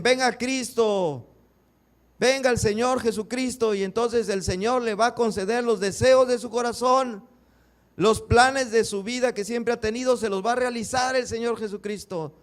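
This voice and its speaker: A man pastor preaching a sermon in a church, asking the congregation rhetorical questions. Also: high-pitched.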